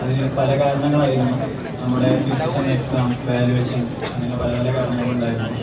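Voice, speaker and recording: A man's voice: medium pitch, monotone, brisk. Man, Kerala accent, formal speech, roomy distant sound, crowd behind. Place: college event venue, through speakers. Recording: distant echoey PA with crowd noise.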